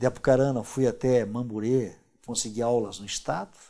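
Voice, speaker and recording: In a very clean recording with a silent background, a man with a medium pitch and a dark, mellow tone speaks at a fairly slow pace. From northern Paraná, Brazil. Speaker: former political prisoner. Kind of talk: testimony.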